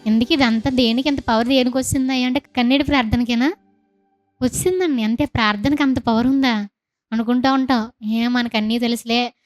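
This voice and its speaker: A woman's voice: high-pitched, fairly quick, no room sound, faint music behind. A woman with a Telugu accent preaching a sermon, telling a Bible story with rhetorical questions and acted-out voices. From South India.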